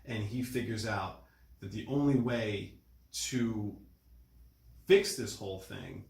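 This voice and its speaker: A man's voice: lowish voice, slow, gravelly. Man recapping casually, very echoey sound. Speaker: podcast co-host recapping a film. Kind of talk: casual film discussion and plot recap. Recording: echoey, roomy recording.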